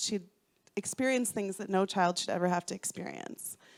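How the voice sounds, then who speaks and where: A woman speaks with ordinary pitch variation. The recording is very clean and the background silent. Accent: American. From US Northeast, New Jersey suburbs. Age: 30s. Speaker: charity founder and author. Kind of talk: interview conversation at a book talk. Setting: library event with audience.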